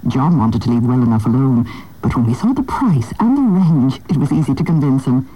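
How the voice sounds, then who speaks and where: An actress playing a satisfied, chatty Irish housewife in a homely, confiding radio advert testimonial. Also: female voice, extremely low pitch, expressive, brisk, dark tone, slightly rough, heavily acted, poor audio.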